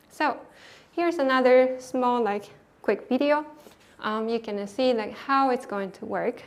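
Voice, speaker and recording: A woman with a Japanese accent speaks at a fairly slow pace, leaving long, frequent pauses. Her pitch is high, with ordinary pitch variation. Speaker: developer advocate. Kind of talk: conference talk. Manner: frequent fillers.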